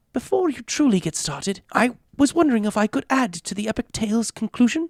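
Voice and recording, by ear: A put-on character voice runs at a fairly quick pace and a fairly high pitch.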